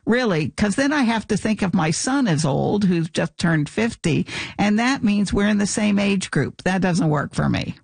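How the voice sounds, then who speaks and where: A woman's voice: mid-range voice, lively intonation, normal speed, vocal fry, hardly any pauses, darkish tone, breathy edge, no room sound. An older woman, a guest author on a radio talk show, talking frankly and teasingly with callers.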